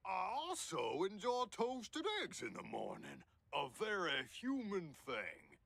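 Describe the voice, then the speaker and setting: A game synth pretending to be a plain, cheerful human, with a high, gravelly voice that swoops up and down. He talks slowly in a folksy way and protests far too much about being made of flesh. The sound is close and dry. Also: huge pitch swings, fairly bright tone, no room sound, exaggerated voice. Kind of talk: video game character dialogue.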